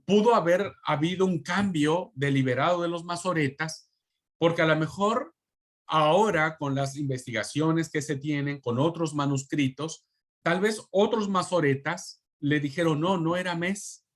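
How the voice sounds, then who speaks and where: A man teaching a Bible history class, speaking slowly and haltingly, repeating words and addressing students as brothers. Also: fairly high pitch. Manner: slow, halting, repeats words and asks rhetorical "¿no?"; calls listeners "hermanos". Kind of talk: online class lecture.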